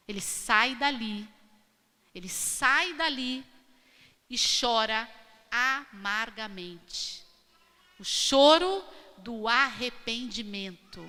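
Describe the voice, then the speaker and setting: A woman's voice: on the high side, sharp tone. A Brazilian woman pastor delivering an emphatic sermon, questioning her congregation. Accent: Brazilian Portuguese. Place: church hall. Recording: long hall reverb.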